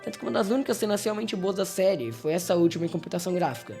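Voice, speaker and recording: A man's voice: sits high, expressive, racing, vocal fry, a little mellow, faint music behind. A man with a Brazilian accent narrates a story recap as a video host, in a casual scripted style with informal, wry asides. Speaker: YouTube host narrating horror series recaps.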